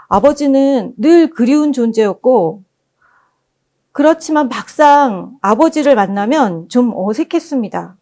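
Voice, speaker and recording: A woman presenting at a book forum who reads passages aloud as gentle storytelling. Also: on the high side. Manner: gentle storytelling, acting out quoted lines.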